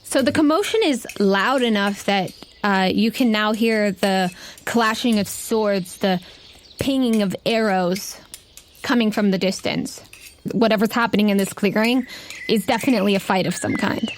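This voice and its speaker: A woman's voice: medium pitch, moderate pace, a little hiss or hum. A woman narrating a tabletop game as game master and host. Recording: music playing behind the voice. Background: music.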